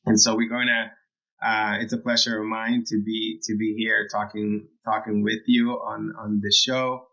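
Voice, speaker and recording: A man's voice: mid-range voice, fairly bright tone, low-quality recording. A man hosting a podcast conversation, often repeating words and restarting as he talks. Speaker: podcast host.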